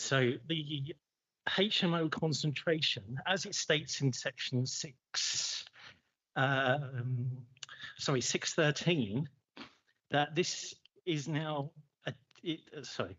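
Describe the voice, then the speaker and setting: Pausing long and often, a man speaks at a very slow pace with a fairly high pitch and ordinary pitch variation. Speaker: council committee member. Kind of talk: committee debate. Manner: loud; halting.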